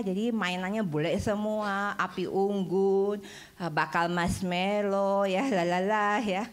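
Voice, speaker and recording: A woman evangelist preaching a sermon in church, animated, rising to exclamations and mixing in English phrases. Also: mid-range voice.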